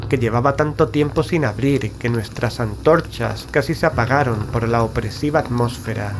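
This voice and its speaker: A man narrating a gothic horror story in the first person, in a measured, grave, literary manner. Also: mid-range voice. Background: background music.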